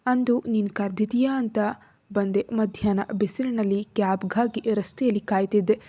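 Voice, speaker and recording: A woman storyteller voicing a frightened, tearful young female student in a spoken story, soft and pleading. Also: mid-range voice, fairly even intonation, normal speed, lightly acted.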